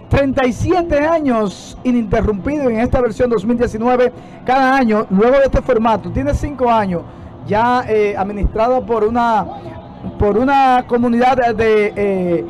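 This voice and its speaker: A man's voice: extremely high pitch, a little mellow, poor audio. A man in his forties reporting live from a city street on a handheld mic, talking hesitantly with many fillers. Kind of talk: live event commentary. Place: outdoors on a city street by barricades.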